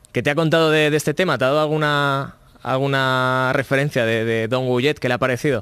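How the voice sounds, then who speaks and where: A man speaks at a fairly quick pace with very even loudness, in a dry sound with no echo and a quiet background. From Spain. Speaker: radio host. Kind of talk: interview. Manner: enthusiastic. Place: studio. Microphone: studio mic.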